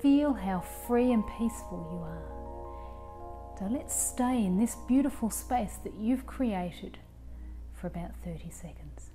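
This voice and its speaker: A woman in her forties leading a guided meditation in a calm, soothing, soft voice that gets breathy at phrase ends. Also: medium pitch, slow. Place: small living room, indoors. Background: soft music.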